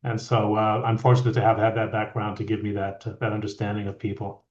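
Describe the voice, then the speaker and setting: A middle-aged man from France, a guest leadership coach, talking in a reflective, halting way with many restarts. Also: fairly low pitch, monotone. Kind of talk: conversational interview. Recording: echoey, dull lo-fi audio.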